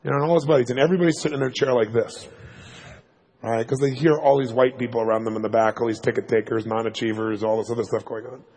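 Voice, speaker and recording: A man telling a story to a live audience as a motivational speaker, fast and punchy, checking in with "right?" asides. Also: mid-range voice, fairly even intonation, darkish tone. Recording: long hall reverb.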